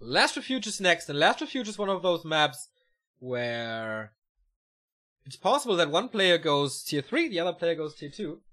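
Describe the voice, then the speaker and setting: Man, live game commentary, sharp bright tone, excitable play-by-play, chats with viewers, home streaming setup. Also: on the high side. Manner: fast, excitable play-by-play that climbs when the action peaks; chatty and relaxed between matches, talks to viewers. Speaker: esports caster.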